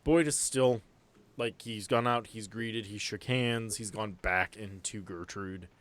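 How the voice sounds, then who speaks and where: A man's voice: fairly low pitch, unhurried, fairly bright tone. A man improvising casual, descriptive narration as the game master of a tabletop game.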